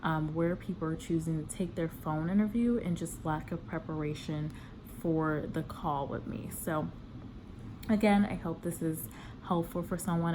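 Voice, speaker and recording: Low-voiced woman giving casual advice, noisy recording. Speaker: corporate recruiter giving job interview advice. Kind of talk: casual advice vlog to viewers.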